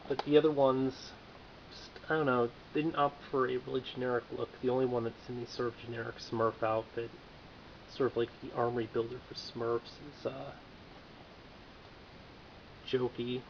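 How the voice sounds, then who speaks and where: A man's voice: mid-range voice, level tone, moderate pace. A man casually reviewing a toy figure in a dry, offhand, self-mocking way, in a lo-fi home recording with faint hiss.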